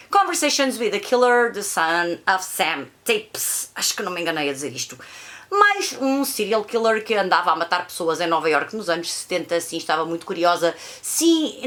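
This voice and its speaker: A woman's voice: mid-range voice, a bit bright. A woman with a European Portuguese accent chatting casually in a vlog, rambling and repeating herself with many fillers. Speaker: vlogger reviewing films and series. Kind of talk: casual monthly recap vlog.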